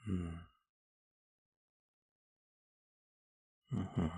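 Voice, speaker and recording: An actor playing a snake-headed male villain in an audio roleplay, speaking in a soft, formal, measured way. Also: deep voice, creaky, husky, full character voice. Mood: gentle, soothing.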